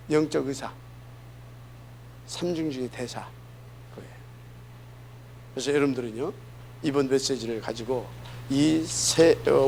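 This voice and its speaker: Gravelly, emphatic male pastor preaching. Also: on the high side, a little mellow, slight background noise. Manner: earnest, emphatic preaching with rhetorical questions to the congregation. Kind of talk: sermon. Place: church.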